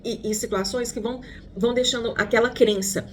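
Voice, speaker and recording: A woman's voice: on the high side, fairly even intonation, fairly quick, a little hiss or hum. A woman psychologist with a Brazilian Portuguese accent, teaching an online lesson conversationally, calling the listener her friend and asking rhetorical questions.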